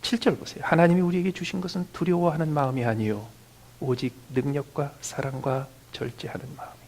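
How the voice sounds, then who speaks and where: Gravelly Korean pastor, hushed delivery. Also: male voice, steady tone, a little fast, poor audio. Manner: drops to a near whisper on key phrases, then rises again; acts out quoted family dialogue in a higher, louder voice. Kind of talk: sermon.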